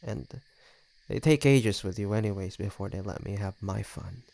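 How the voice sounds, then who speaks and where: Man voicing a smug, creaky low-voiced flirty vampire. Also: moderate pace, darkish tone, slight background noise. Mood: playful menace. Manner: teasing, smug, sardonic. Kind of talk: scripted audio roleplay addressed to the listener.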